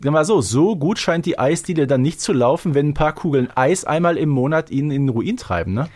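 A man's voice: fairly high pitch, expressive, fairly quick, darkish tone. A man co-hosting a casual fan discussion, chatty and often seeking agreement with tag questions. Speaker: podcast co-host.

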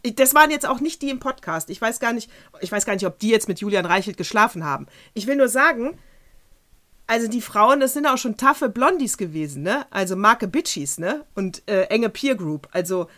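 Bright-voiced woman on a podcast, blunt, swears a lot, kinda high. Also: expressive, a little fast. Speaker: podcast co-host. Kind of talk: casual chat.

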